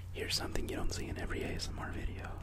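Loud background noise surrounds a soft-spoken man talking at a very fast pace. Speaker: ASMR creator. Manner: soft close-mic ASMR voice. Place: home room. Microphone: studio mic.

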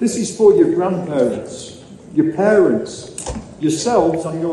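A man's voice with very wide pitch swings, light background noise and audible room echo. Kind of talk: rights speech to a parliament, prepared and formal. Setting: parliament event, address to an audience. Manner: formal; earnest, firm, measured. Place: hall. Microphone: podium.

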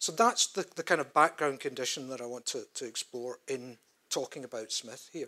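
A man speaks with a Scottish accent at a medium pitch. His tone is bright and sharp against a quiet background. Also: ordinary pitch variation, moderate pace. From Scotland, Glasgow. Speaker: professor. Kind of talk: academic lecture. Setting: conference room with audience. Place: hall. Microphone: podium.

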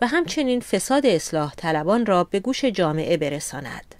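Very wide pitch swings mark a woman's voice on a very clean recording with a silent background. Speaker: news commentary narrator. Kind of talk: scripted narration. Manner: formal.

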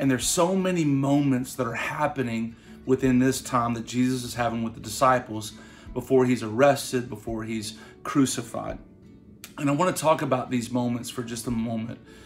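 With ordinary pitch variation, a man talks while music plays faintly behind him. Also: moderate pace. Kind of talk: devotional talk. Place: office. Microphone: phone near.

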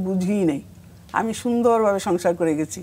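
A woman speaks with fairly low pitch. Her tone is dark and mellow. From Noakhali, Bangladesh; Bangladesh. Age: 60s. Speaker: war veteran and school headmistress; talk show guest. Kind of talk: interview testimony. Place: studio.

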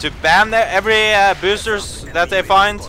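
Noticeable background noise sits behind a man with a high voice. He talks at a fairly slow pace. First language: not English. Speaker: gaming YouTuber. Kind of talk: gameplay commentary. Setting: gaming headset mic. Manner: animated.

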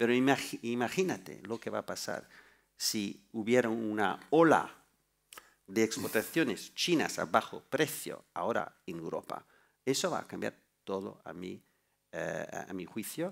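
The voice has an English accent and vocal fry, moving at a fairly slow pace. Its pitch swings very widely and its loudness rises and falls sharply. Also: man. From United States. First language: English (speaking Spanish). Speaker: former ambassador; guest. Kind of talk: panel discussion. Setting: stage with audience. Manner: halting. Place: stage. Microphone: headset.

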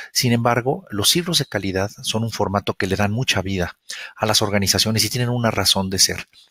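Speaking at a fairly quick pace, a man has a fairly low pitch, a bright, sharp tone and ordinary pitch variation. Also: dry, close sound with no echo. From Mexico. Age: 50s. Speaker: quality management consultant. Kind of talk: webinar lecture. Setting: online webinar.

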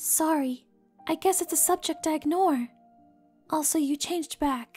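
A put-on character voice over faint background music. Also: female-sounding voice, extremely high pitch for a woman, moderate pace. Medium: audio drama. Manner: soft-spoken.

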